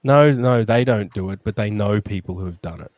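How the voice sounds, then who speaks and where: Low-voiced teasing podcast co-host. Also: male voice, brisk, a little mellow, dry recording. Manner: dry teasing, hesitant restarts. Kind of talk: casual comedy chat.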